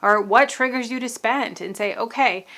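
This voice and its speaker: A woman's voice: on the high side, normal speed, sharp tone. A young adult woman giving casual, upbeat money-saving advice to camera, chatty and repetitive, slightly out of breath from pregnancy. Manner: upbeat, chatty, repeats key phrases. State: pregnant, may sound out of breath. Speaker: personal finance vlogger.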